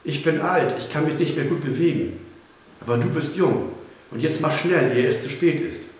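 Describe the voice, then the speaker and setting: A man's voice: fairly low pitch, expressive, normal speed, far from the mic, natural voice. A man doing a wise old teddy bear. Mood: urgent. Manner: urgent, coaxing, often whispered. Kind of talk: storybook reading. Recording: echoey room, faint hiss.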